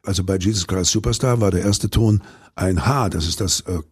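An older man, an actor and voice actor, telling stories in an interview in a deep voice, rambling with restarts. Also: a little fast, dry recording, clean studio sound. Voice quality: deep, gravelly. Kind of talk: interview answers.

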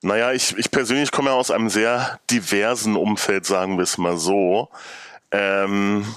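A podcast guest, a man with a fairly low, resonant voice recorded close and dry. He talks casually and feels his way through his thoughts with some hesitation. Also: fairly even intonation, normal speed, fairly bright tone, clear, resonant tone, dry recording. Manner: hesitant, thinking aloud. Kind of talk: casual conversational talk.

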